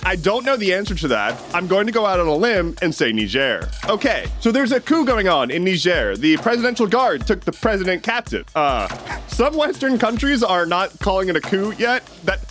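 A sarcastic American man in his thirties runs through the day's news in a high, lively voice that swings all over the place. He talks casually and drops dry, opinionated asides. Faint music plays underneath. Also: normal speed. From United States. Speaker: news commentary host. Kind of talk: casual daily news commentary.

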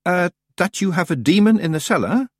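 A man voicing a sharp, curious young witch girl in an audiobook, earnest and questioning. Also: high-pitched, expressive, brisk, husky, dry recording, studio quality, pitched above the performer's own voice. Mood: puzzled, hesitant. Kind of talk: audiobook character voice.

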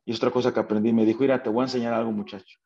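Mexican man, interview guest, lively anecdote teller who voices the people in his story, slightly muffled recording. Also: medium pitch, racing, gravelly, husky. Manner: animated, acts out quoted dialogue, many fillers and restarts.

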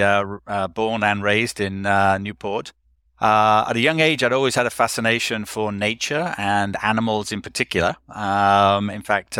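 A man's voice: on the low side, a bit bright, clear, resonant tone, no echo, clean studio sound. A man in his fifties with a Welsh accent, a podcast guest telling his career story in a conversational way with frequent hesitations and fillers. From South Wales. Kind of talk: conversational interview.

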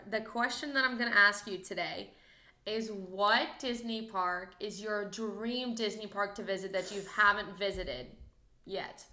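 A woman's voice: mid-range voice, sharp tone. A young woman hosting a podcast in a casual, conversational and informal way. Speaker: podcast host. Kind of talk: casual chat. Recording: roomy, echoey sound.

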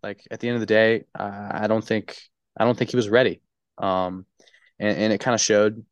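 A congested man co-hosting a sports podcast, talking in a halting way full of restarts and stutters. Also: fairly low pitch, flat delivery, dry recording, muffled recording. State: congested, stuffy. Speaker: podcast co-host. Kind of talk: casual sports chat.

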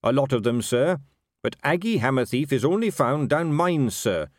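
A man as an earnest, higher-pitched watch captain. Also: expressive, moderate pace, no echo, clean studio sound, lightly acted. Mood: earnest, wooden. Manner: respectful, wooden, firm. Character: earnest, polite, honest young male watch captain.

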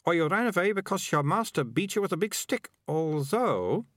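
A man's voice: high-pitched, sing-song, normal speed, a bit bright, dry recording, studio quality, pitched above the performer's own voice. A man voicing a presumptuous young girl in a storybook, nosy and accusing, a real know-it-all.

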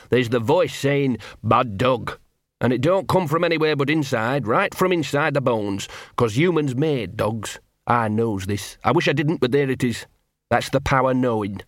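A scruffy little talking dog, put on by a male reader, nervous and streetwise. He rambles in circles with cheerfully broken grammar, voice pitched a little up. Dry, close storybook sound. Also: no room sound, close to an everyday voice. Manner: rambling, ungrammatical, wheedling.

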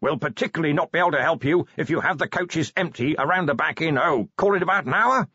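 Man playing a booming, jovial old wizard. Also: animated, fast, breathy edge, dry recording, highs cut off, heavily acted. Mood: jovial, conspiratorial. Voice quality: loud, booming. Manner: hearty, exclamatory, conspiratorial.

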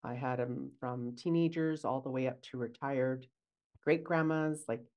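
Low-voiced chatty woman. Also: measured pace, darkish tone. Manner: chatty, acts out client dialogue. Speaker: podcast co-host, esthetician. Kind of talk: casual podcast chat.

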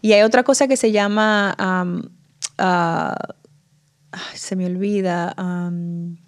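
A woman's voice: fairly low pitch, steady tone, slow, clear, resonant tone. A woman in her forties from the Dominican Republic with a New York Latina accent, chatting casually on a podcast and switching between Spanish and English mid-sentence. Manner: restarts often while searching for words.

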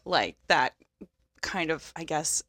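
A woman's voice: low voice, lively intonation, takes it slowly, fairly bright tone, dry recording. A young woman co-hosting a podcast in casual chat, playful and joking, recorded close on a studio mic. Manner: playful, mimics accents, self-conscious about her words. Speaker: podcast co-host.

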